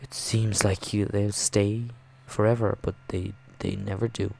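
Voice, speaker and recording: A man voicing a possessive, mocking mother in a visual novel, with cloying, drawn-out endearments. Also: fairly low pitch, flat delivery, creaky, warm tone, a little hiss or hum. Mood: mocking, smothering. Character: possessive, mocking, sinister mother figure, a grown woman. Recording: music behind the voice.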